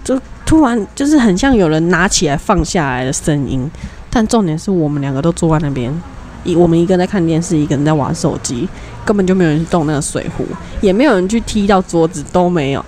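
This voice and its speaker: A woman's voice: fairly low pitch, fast talker, slight background noise. Young woman telling a story. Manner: animated storytelling, acts out quoted dialogue. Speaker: podcast co-host. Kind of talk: casual storytelling chat.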